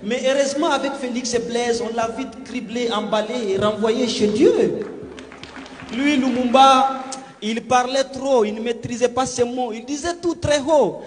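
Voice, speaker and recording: A man's voice: very high-pitched, unhurried, a little hiss or hum. A man performing slam poetry in a rhythmic, declamatory delivery. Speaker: slam poet. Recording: long hall reverb with music underneath.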